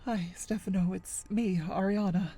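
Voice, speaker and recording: A middle-aged wife in a game drama, grieving and bitter. Her medium-pitched voice is husky and weary as she pleads. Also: fairly even intonation, a little slow, dark tone. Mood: pleading, firm.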